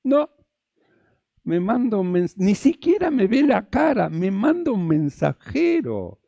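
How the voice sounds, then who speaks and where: A man's voice: high voice, huge pitch swings, slow pace, creaky, warm tone, no echo, highs cut off, full character voice. A man voicing a proud army general who complains indignantly that he was snubbed. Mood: offended.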